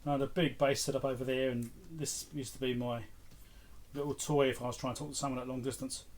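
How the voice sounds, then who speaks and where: With a quick pace and a level, mid-range voice, a middle-aged electronics repair host talks his way through an unscripted show-and-tell in a chatty, rambling manner. Clear background noise with clicks accompanies him.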